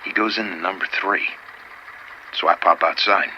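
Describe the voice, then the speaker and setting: A wry, world-weary male detective, played by an actor in a noir audio drama, talks in a slangy, rambling way. His voice sits on the low side. The tape is dull and noisy. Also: fairly even intonation, normal speed, close to an everyday voice. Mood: wry, conspiratorial.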